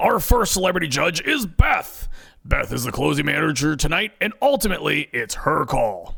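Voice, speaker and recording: The speaker uses a put-on character voice, delivered at a moderate pace. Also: man, fairly high pitch for a man. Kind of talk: 1970s game show host. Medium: audio drama. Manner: schmaltzy, crooning, showbiz.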